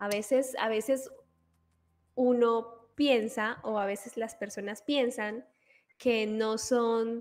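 The speaker is a woman using fairly even intonation. Her pace is very slow. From Colombia, Cúcuta; Colombia. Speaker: Spanish tutor. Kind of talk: casual chat. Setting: video call. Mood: warm, encouraging. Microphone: webcam.

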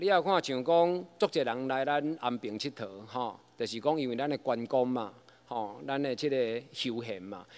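A man with a normal speaking voice talks at a moderate pace and medium pitch, his intonation lively, in a very clean recording with a silent background. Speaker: city councillor. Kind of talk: council interpellation. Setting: council chamber.

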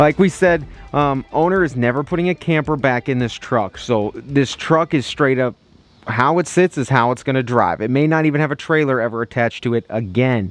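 Music plays in the background while a man talks at a fairly quick pace. The sound is dry with no echo, and his pitch varies in an ordinary way. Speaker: truck mechanic vlogger. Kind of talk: casual vlog chat. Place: street. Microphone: phone near.

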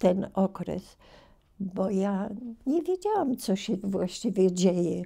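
Against a quiet background, a woman speaks in a dark, mellow tone with vocal fry. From Poland, Poznań; Poland. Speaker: oral history witness; witness. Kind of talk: oral history testimony; interview answer. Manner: halting. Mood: quiet, reflective, somber. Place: home room.

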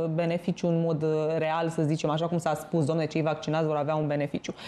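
A woman's fairly low voice with a dark, mellow tone, at a fairly quick pace. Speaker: studio commentator. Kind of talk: news talk discussion. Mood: critical, argumentative. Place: studio. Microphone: lapel.

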